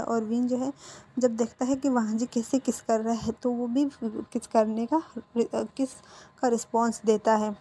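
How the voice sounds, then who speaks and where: A woman's voice: fairly high pitch, dark tone, breathy edge. A woman retelling a fan fiction story aloud in a casual, conversational way with fillers.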